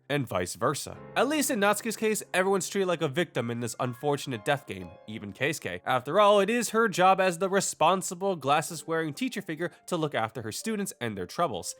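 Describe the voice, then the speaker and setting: A man's voice: on the high side, a bit bright. A man delivering a scripted video essay commentary in a wry, dramatic way. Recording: music bed under the voice. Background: background music.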